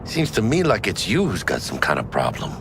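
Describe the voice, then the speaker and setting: An actor playing a brash, hot-blooded street mercenary in a video game, with a gravelly Latino American accent and cocky slang. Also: male voice, on the low side, wildly swooping pitch, brisk, noisy background. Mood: intense, resolute.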